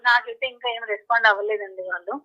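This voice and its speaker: On a tinny telephone line, a woman answers phone-interview questions insistently, repeating her phrases. Her mid-range voice stays steady in tone while she talks rapid-fire.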